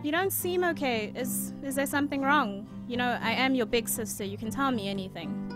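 A woman's voice: on the high side, moderate pace, natural voice. A woman playing a caring, probing young student and big sister in an audio drama, with guitar music behind. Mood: concerned.

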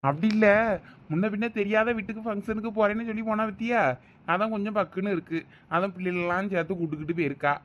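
A man's voice: sits high, quick pace, a bit bright, muffled recording. A man with a Thoothukudi Tamil accent playing an anxious village husband who grumbles impatiently. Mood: grumbling. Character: anxious village husband waiting for his wife. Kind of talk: village drama acting.

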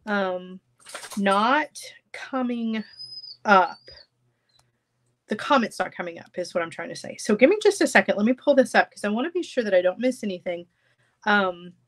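A woman in her thirties with a stuffy, congested voice, chatting casually with viewers from her home craft room. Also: medium pitch. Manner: chatty, animated, gestures with hands. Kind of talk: casual live chat with viewers.

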